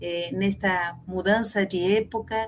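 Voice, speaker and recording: This woman's voice has a medium pitch and fairly even intonation. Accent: Spanish. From Uruguay. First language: Spanish (speaking Portuguese). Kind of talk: spiritual lecture. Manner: hesitant, frequent 'eh' fillers.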